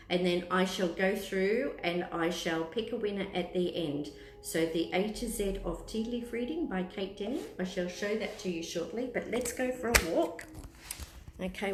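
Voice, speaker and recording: A woman in her fifties with an Australian accent, chatting casually to live viewers as a host and thinking aloud in a hesitant, rambling way. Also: on the low side. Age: 50s. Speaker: tea room host, psychic palm and tea leaf reader. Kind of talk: casual chat in a live stream, answering viewers. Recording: roomy echo with clear background noise.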